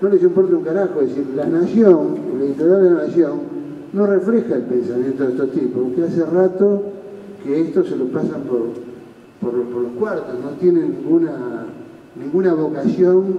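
Audible room echo surrounds a man speaking at a moderate pace. Light background noise runs underneath. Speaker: speaker. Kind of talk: political speech. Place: hall.

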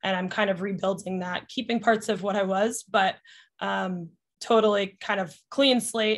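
A woman speaks at a moderate pace in an ordinary speaking voice. Her pitch is medium and her intonation fairly even. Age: 30s. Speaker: former college soccer player. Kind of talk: personal testimony on panel. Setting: video call.

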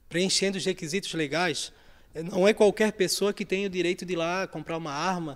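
Man with a Florianópolis accent, high pitch and moderate pace. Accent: Florianópolis Portuguese (manezinho). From Florianópolis, Brazil; Brazil. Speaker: criminal lawyer. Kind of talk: TV interview. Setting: TV studio. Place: studio. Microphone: handheld.

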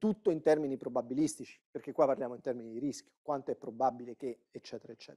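A very fast-talking man with a dark, mellow tone and ordinary pitch variation, against a quiet background. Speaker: law professor. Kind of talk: lecture. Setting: stage with audience. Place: classroom.

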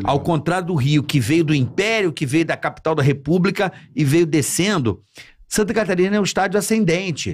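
An animated voice with vocal fry moves at a moderate pace through very wide pitch swings over a quiet background. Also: man. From São Gonçalo, Rio de Janeiro state; Rio de Janeiro state. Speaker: podcast host. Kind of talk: casual chat. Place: studio. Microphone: studio mic.

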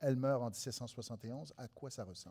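The man's delivery is fairly slow. His tone comes across dark and mellow. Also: quiet background. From Quebec. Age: 50s. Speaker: historian, interview host; interview host. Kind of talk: interview. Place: stage. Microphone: headset.

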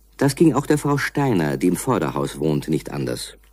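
Vocal fry and very wide pitch swings in a dark, mellow tone. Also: man. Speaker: narrator. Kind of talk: children's radio play narration.

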